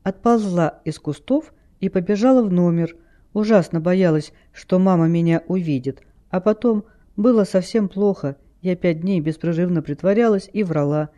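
A man's voice: sits high, moderate pace, warm tone, close to an everyday voice. A man voicing an upset young girl who pleads for help finding her father. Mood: plaintive.

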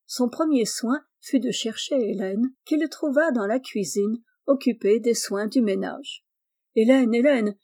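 A woman narrating a classic novel for an audiobook, with a steady, expressive reading. Her voice sits fairly high and has a mellow, dark tone. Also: a little slow, hardly any pauses. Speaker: audiobook reader.

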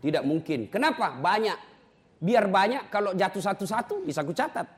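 Joking preacher. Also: male voice, sits high, moderate pace. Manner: joking, lively, teasing the audience. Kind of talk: humorous sermon to a congregation. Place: mosque gathering.

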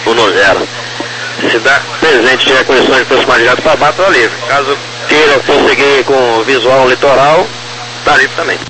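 A man's voice: medium pitch, moderate pace. A man giving traffic instructions as an air traffic controller over a crackly radio. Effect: crackly aviation radio.

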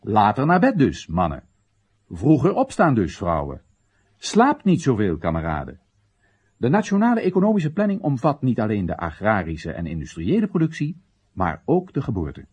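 A man's voice: mid-range voice, huge pitch swings, normal speed, a little mellow, breathy edge. An actor playing an exasperated, ironic Chinese citizen addressing his comrades in emphatic short phrases, in a theatrical radio play monologue. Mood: agitated, exhorting.

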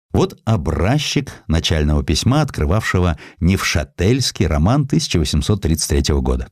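Deep-voiced man, expressive literary narration. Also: no room sound, clean studio sound. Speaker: audiobook narrator. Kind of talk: scripted literary narration of a historical essay.

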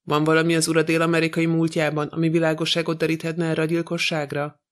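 A man's voice: a little high, completely flat delivery, lightly acted. A man voicing a stern, impatient male magistrate who asks formal, probing questions in an audiobook.

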